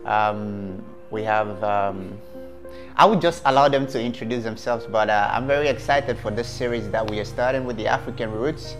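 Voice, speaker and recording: A male host opens the show in an upbeat, welcoming way. He speaks at a measured pace and at a middling pitch. Music plays under his voice. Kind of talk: hosting an interview.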